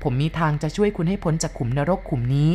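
A woman's voice: sits low, animated, fast, mellow, a little hiss or hum. An earnest, eager husband, as a woman reads him. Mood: earnest, urgent. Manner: earnest, urgent. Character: earnest, eager husband, kind-hearted man.

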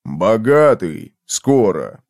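A man voicing a gruff, tormented man in a storybook reading, speaking slowly and tersely. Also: fairly low pitch, very animated, a little mellow, no echo, studio quality, heavily acted. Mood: brooding. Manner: slow, heavy, terse.

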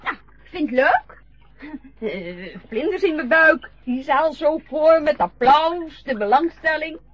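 A woman's voice: sits high, takes it slowly. A woman playing an eager young would-be star. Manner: lively, hesitant with many fillers. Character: young woman dreaming of stardom, eager, chatty. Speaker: lip-sync performer. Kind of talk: Dutch radio play acting. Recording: dull lo-fi radio play recording.

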